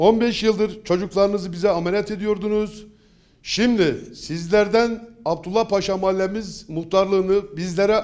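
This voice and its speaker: Over a quiet background, a man with a high pitch speaks at a moderate pace. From Turkey, Elazığ; Turkey. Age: 40s. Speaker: local election candidate; election candidate. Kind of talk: campaign speech. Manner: formal. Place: office. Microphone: handheld.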